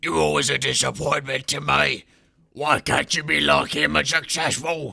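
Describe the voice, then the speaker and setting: A man puts on a raspy character voice. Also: medium pitch for a man, moderate pace. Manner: scolding, disappointed.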